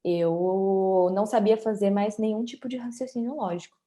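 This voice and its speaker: Mellow-voiced Brazilian woman in her twenties. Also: mid-range voice, steady tone, normal speed. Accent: Brazilian Portuguese. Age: 20s. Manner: candid, conversational, often adds tag questions. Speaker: interview guest. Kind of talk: personal story in an interview.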